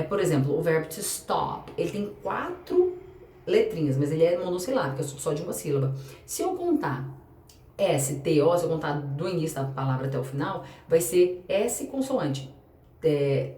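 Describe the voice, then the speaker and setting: A woman with a Brazilian Portuguese accent and a lowish, dark-toned voice chats through English grammar for an online class, spelling out letters and posing rhetorical questions. The room is echoey, she's a little far from the mic, and a faint hum lingers behind her.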